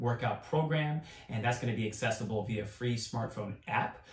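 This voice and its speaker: Audible room echo surrounds a man talking at a fairly quick pace with fairly even intonation. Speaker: fitness trainer, host. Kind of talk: casual vlog chat. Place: home room. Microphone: camera far.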